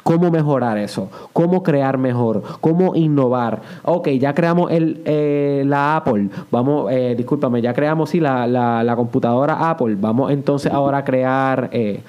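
Male podcast host, young, warm mellow tone, chatty motivational delivery mixed with English phrases. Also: medium pitch, a little slow, hardly any pauses, highs cut off. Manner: conversational, sprinkles English words, repeats for emphasis. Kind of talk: motivational monologue.

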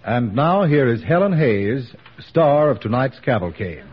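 A man's voice: medium pitch, very animated, measured pace, background noise. A man announcing a 1940s radio program in a formal, polished manner. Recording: muffled 1940s radio broadcast with faint music.

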